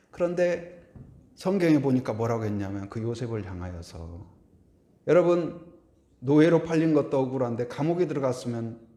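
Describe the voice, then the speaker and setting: Korean pastor preaching in an echoey sanctuary. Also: male voice, medium pitch, dark tone. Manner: preaching with rising repeated declarations and acted-out dialogue. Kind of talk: sermon. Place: church sanctuary. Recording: echoey church room.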